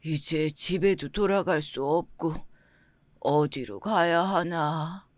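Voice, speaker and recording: Woman voicing a gloomy storybook scholar, low and dragging, dry close sound. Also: lively intonation, no echo. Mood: dejected. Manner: slow, dejected and sighing. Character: downcast male scholar, failed exam candidate. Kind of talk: storybook character voice.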